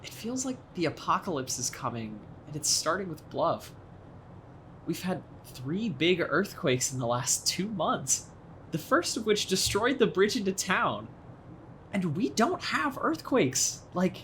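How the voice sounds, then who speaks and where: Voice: medium pitch, sing-song, measured pace, a bit bright, a little hiss or hum. A young adult actor playing a friendly, worried small-town boat owner in an audio drama, speaking in a conversational, earnest way. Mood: worried, candid. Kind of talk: naturalistic audio drama acting.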